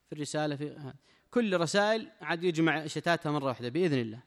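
A quick, rather high-voiced man teaches a mosque lesson, reading from a text and then driving each point home in short, repeated phrases. His voice carries the long reverb of a large hall. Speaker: religious teacher.

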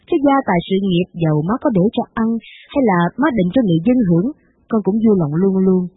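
Woman putting on a resentful grown son, formal and dutiful, husky, dry tinny audio. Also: mid-range voice, expressive, fast talker, no room sound, faint music behind, pitched below the performer's own voice. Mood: aggrieved. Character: grown son writing a bitter, dutiful letter to his mother.

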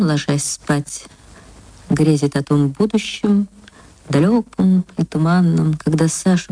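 A woman reads a classic story aloud for an old radio broadcast, tender and unhurried. Her voice sits low and warm, and she slows down to savor the quiet, reflective moments. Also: husky, no echo, low-quality recording. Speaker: narrator. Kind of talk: literary radio reading.

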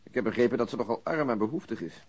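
An actor playing a calm, laconic police detective in a radio drama, understated and dryly ironic. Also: male voice, medium pitch, very fast, husky.

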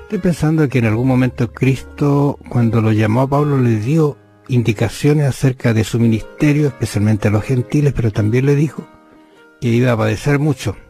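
A man's voice: medium pitch, moderate pace, creaky, warm tone, faint music behind. A man co-hosting a conversational Bible lesson, thinking aloud with frequent hesitations. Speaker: Bible study co-host.

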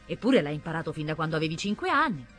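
A woman's voice: low-pitched, rapid-fire, soft background music. A woman reader voicing an old village nurse who fusses, scolds and chatters. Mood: mocking. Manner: fussing, scolding, lively.

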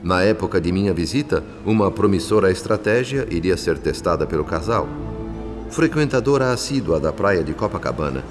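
An actor with a Brazilian accent playing a gentle, reflective spirit who narrates a radio drama in a measured, solemn way. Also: male voice, sits low. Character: gentle, reflective male spirit narrator telling a family's story. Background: background music.

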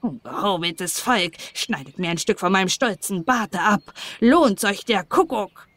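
A woman's voice: medium pitch, animated, a little slow, fairly bright tone, dry recording. A woman reading a fairy tale aloud and voicing a quarrelsome, ungrateful old male dwarf with a screeching, scolding voice. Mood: grumbling. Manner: scolding, snarling.

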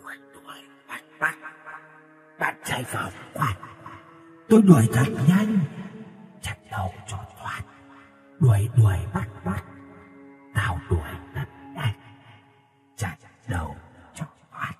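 Whispery ghost child, slow mocking chant, far off in a long echoey reverb over music. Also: male voice, fairly low pitch, huge pitch swings, heavily acted. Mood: eerie chanting. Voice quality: whispery, hushed. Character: eerie ghostly child chanting a chase rhyme.

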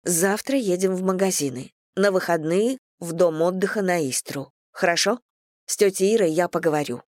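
A woman's voice: lowish voice, moderate pace, dry recording, clean studio sound, lightly acted. A woman voicing a stern wife and mother who speaks firmly and curtly in an audiobook. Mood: calm. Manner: firm and curt.

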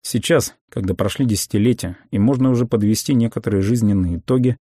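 A man reading a memoir aloud as an audiobook narrator, in a calm, measured and reflective way. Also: on the low side, dry recording, studio quality.

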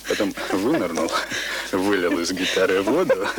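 A courteous male suitor who loves a tall tale. His voice sits very low but moves in lively swoops as he tells stories. It is a radio play on a noisy old recording. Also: moderate pace. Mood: animated, boastful.

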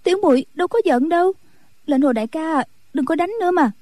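A woman voicing a timid, tender young nun in a storybook reading, in a soft, anxious, pleading way. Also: very high voice, fast, no room sound, voice pushed up.

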